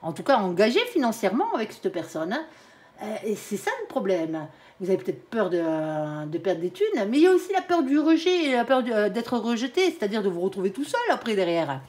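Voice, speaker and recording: A woman's voice: mid-range voice, sing-song, brisk, a little mellow. Chatty tarot-reading woman with an accent. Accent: regional French. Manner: chatty, blunt, peppered with "hein". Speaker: tarot reader. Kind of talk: casual spoken tarot reading.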